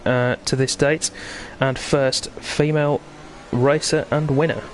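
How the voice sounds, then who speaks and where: Male sim racing host, mid-pitched, conversational live commentary with banter, some background noise. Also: little pitch movement, measured pace, poor audio.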